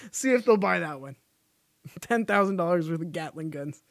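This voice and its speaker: A man's voice: high voice, animated, moderate pace, dry recording, clean studio sound. A man hosting a podcast, chatting casually, joking and laughing often, swearing now and then. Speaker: podcast host. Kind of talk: casual chat.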